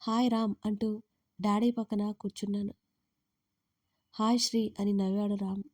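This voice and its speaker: A woman's voice: mid-range voice, normal speed, dry recording, studio quality. A woman narrating a first-person romance story, reading every character's lines in her own voice. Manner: reads all parts in her own voice, lively on quoted lines.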